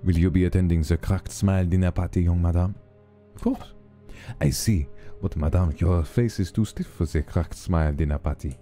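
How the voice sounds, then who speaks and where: A man's voice: low voice, fairly even intonation, normal speed, warm tone, soft background music, lightly acted. A man voicing a courteous male doorman in a put-on French accent, speaking formally and politely. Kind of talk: reading game dialogue aloud.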